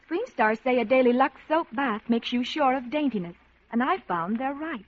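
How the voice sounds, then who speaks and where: An actress playing a cheerful, bubbly young housewife in a 1940s radio ad. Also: female voice, sits high, expressive, moderate pace. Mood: dreamy. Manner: bubbly, old-fashioned exclamations. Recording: dull lo-fi old radio broadcast.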